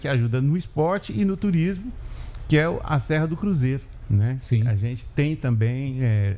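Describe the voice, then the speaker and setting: Dark and mellow in tone, this voice proceeds at a moderate pace. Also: man. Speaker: guest. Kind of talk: interview answer. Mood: warm, inviting. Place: studio. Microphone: studio mic.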